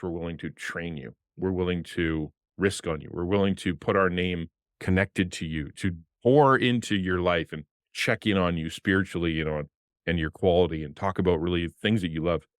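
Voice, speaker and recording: A man with a deep, low voice talks with passion and animation, a former pastor sharing his work as a podcast guest. His words come close and dry from a desk microphone in a small streaming room. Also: no room sound. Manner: passionate, animated, gestures with hands. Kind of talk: casual interview talk. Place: home streaming room with colored lights. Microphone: desk podcast mic on arm, headphones.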